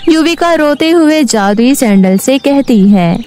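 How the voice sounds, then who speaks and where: A woman tells a children's cartoon story in steady, clear narration. Her voice sits fairly high. Soft music plays behind her. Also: a little slow.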